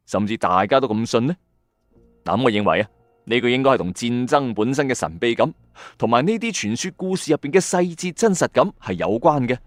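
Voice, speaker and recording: Animated Hong Kong Cantonese male storyteller, music underneath. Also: medium pitch, no echo. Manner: colloquial and emphatic, addressing listeners directly. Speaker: host of a late-night ghost story radio channel. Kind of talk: dramatic storytelling narration with commentary. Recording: dry voice-over with music underneath. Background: background music.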